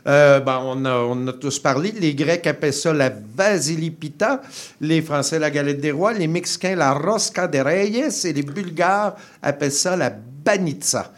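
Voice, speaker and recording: A man's voice: fairly high pitch, expressive, moderate pace. A man giving a casual food column on the radio, playful and chatty, with frequent hesitations. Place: radio studio.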